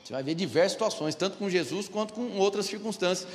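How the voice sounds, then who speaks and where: Fast-talking high-voiced Brazilian pastor. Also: male voice, lively intonation, long reverb tail. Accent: Brazilian Portuguese. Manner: storytelling, often calls "amém?" and "irmão" to the congregation. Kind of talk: sermon with a personal testimony. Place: church hall.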